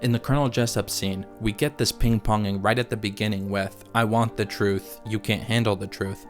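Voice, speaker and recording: Low-voiced man narrating a video essay. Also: fairly even intonation, soft background music. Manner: measured, analytical explaining. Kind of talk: scripted voice-over narration.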